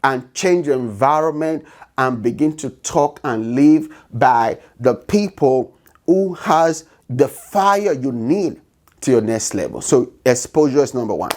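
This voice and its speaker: A man's voice: medium pitch, animated, measured pace, a little mellow. A man with a non-native English accent speaks in a middle-range voice, giving a motivational talk to business owners. He drives his points home with repetition and keeps asking "right?" as he goes, in a rhythm close to preaching. His delivery is emphatic and insistent. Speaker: business coach.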